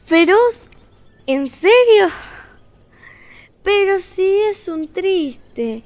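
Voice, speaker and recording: A woman playing a bossy, fed-up, rebellious little Red Riding Hood in a comic audio story, sassy, impatient and quick to interrupt. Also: extremely high pitch, big pitch swings, a little mellow, exaggerated voice. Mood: scornful. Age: young girl figure. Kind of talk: comedic audio fiction acting.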